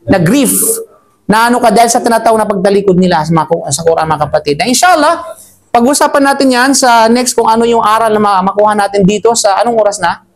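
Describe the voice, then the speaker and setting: A woman giving a Quran commentary lesson to a live group, lively and chatty, who chants verses quickly and jokes with her listeners. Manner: lively, chatty teaching voice that swings up high for emphasis; chants Arabic verses quickly between explanations. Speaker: Islamic teacher.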